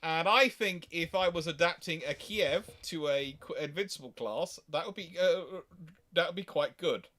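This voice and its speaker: A man hosting a casual naval history stream, explaining in a halting, digressive way and often correcting himself mid-thought. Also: fairly high pitch, bright, forceful tone. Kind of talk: casual unscripted expert discussion. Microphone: voice call or live stream microphone.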